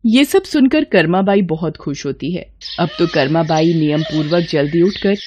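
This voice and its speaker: A woman narrating a scripted devotional story in an even, clear storytelling voice. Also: fairly low pitch, moderate pace, a little hiss or hum. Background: faint background music.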